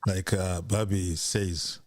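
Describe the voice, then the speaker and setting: Deep-voiced man on a video call. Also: flat delivery, a little mellow, no room sound, clean studio sound. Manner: slow, formal, hesitant. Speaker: guest panelist. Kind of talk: panel discussion.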